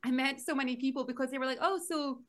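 A woman's voice: high-pitched, monotone, racing. A woman co-hosting a podcast, telling a story in chatty casual talk. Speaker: podcast co-host. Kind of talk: casual chat.

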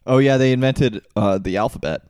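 A man's voice: mid-range voice, fairly quick, darkish tone, clear, resonant tone, dry recording, clean studio sound. A man hosting a podcast, explaining history in casual, slangy chat with a jokey, informal manner. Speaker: podcast host.

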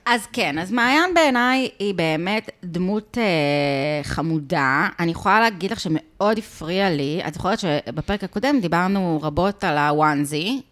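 A woman's voice: on the low side, expressive, hardly any pauses, fairly bright tone. Israeli woman, opinionated and teasing podcast chatter. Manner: opinionated, teasing, mimics people she discusses. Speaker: podcast co-host. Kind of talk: casual chat recapping a reality show.

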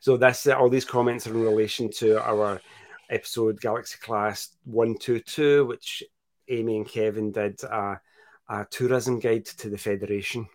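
A man's voice: lowish voice, steady tone, normal speed, a little mellow. A Scottish man hosting a live podcast, chatting casually and playfully while reading out listener comments. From Scotland. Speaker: podcast host.

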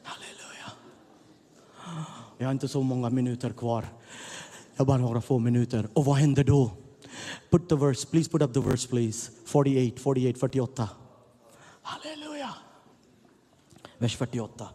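A middle-aged man preaching a sermon as a pastor, moving between soft, low passages and loud, fervent peaks. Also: fairly even intonation. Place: church hall. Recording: echoey hall, slightly husky.

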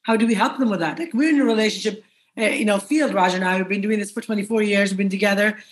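A woman's voice: mid-range voice, fast. Chatty woman podcast co-host. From Iraq. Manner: chatty, open, laughs easily. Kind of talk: casual podcast interview.

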